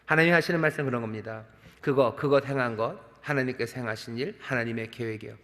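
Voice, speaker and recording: Middle-aged man, pastor preaching, repeats for emphasis, asks the congregation questions, mid-pitched voice, long church hall reverb. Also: a bit bright. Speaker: senior pastor. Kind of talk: sermon. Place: large church sanctuary.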